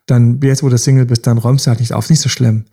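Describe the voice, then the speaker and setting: A man's voice: medium pitch, flat delivery, fast, warm tone, breathy edge. A man hosting a self-help podcast, coaching listeners directly with repeated rhetorical questions. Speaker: podcast host.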